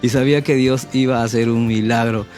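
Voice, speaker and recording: A man's voice: mid-range voice, fairly even intonation, fairly quick, darkish tone, soft background music. A man from Peru giving an earnest, emotional personal testimony on a Christian talk show and acting out his own prayers. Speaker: guest sharing testimony.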